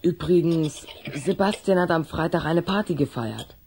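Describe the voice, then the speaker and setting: An actor playing a puzzled, hesitant schoolboy in a German children's radio play. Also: male voice, a little high, moderate pace, vocal fry, a little mellow, slight background noise. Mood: casual, coaxing. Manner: hesitant, questioning.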